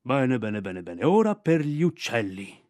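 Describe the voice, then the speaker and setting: A man doing a gruff old bear teacher. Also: mid-range voice, big pitch swings, measured pace, a little mellow, dry recording, studio quality, pitched below the performer's own voice. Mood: gruff, scolding.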